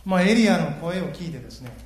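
A man preaching a sermon as pastor in a church, animated and joking with the congregation. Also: a little high, quick pace, reverberant.

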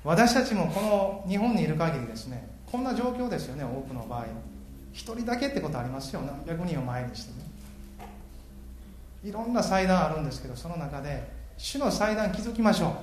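Pastor preaching, lively and joking around, fairly high voice, roomy church echo. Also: male voice, brisk, slight background noise. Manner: animated, joking with the congregation. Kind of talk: sermon.

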